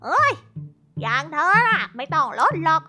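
Tiny squeaky meerkat, rude and snappy, super sharp and bright, swoops all over. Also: female voice, sing-song, normal speed, faint music behind, heavily acted. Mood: mocking. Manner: snappy, mocking, yelling. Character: grumpy little meerkat, cranky and rude.

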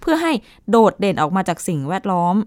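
A woman's voice: sing-song, fast talker, no echo, clean studio sound. Chatty woman explaining science news. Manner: chatty, explains with playful asides and pitch swoops. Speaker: co-host on foreign news radio segment. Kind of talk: conversational news storytelling.

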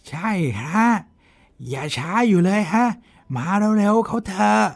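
A woman's voice: medium pitch, animated, a little slow, husky. A woman as an anxious pleading young boy. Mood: worried. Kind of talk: audiobook role reading.

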